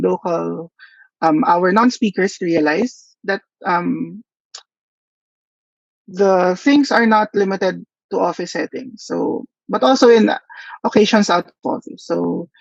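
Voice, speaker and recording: Gravelly man presenting at a workshop. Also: high voice, dry recording. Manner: thoughtful, hesitant, with frequent pauses. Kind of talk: conference presentation. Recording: dull lo-fi dry audio.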